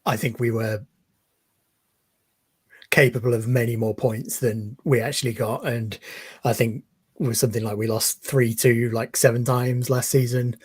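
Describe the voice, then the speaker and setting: A man with a faintly husky voice, recorded close and dry. He talks football in a measured, thoughtful way, stopping often with ums and uhs as he lines up his points. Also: medium pitch, steady tone, darkish tone, no echo. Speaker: guest, football fan page creator. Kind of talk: casual interview chat.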